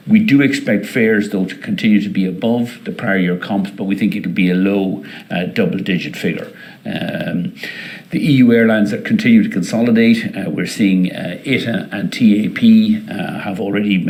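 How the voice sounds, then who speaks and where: A man presenting company results as an airline executive, semi-scripted, in a deliberate, hesitant delivery with frequent pauses. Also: lowish voice.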